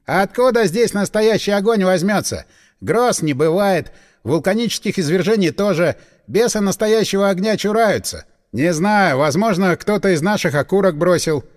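A gruff army commander, sneering and bossy, with a lively, swinging voice, as a male narrator puts him on. The storybook reading has a long hall reverb behind it. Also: high-pitched, moderate pace. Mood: scornful. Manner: sneering, barking orders.

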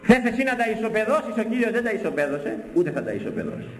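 A man's voice: high-pitched, very animated, roomy sound, low-quality recording. An older man from Greece, a priest preaching a sermon, who repeats his points and keeps asking the listeners questions. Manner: repetitive, emphatic preaching with rhetorical questions.

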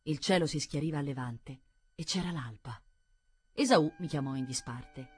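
Husky woman reading an audiobook. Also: low-pitched. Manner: measured and expressive. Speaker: audiobook reader. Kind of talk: literary audiobook narration.

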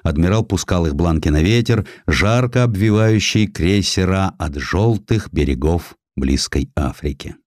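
A man reading historical prose as a dramatic audiobook narrator, with expressive, theatrical storytelling. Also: low voice, a little slow, hardly any pauses, no room sound, studio quality.

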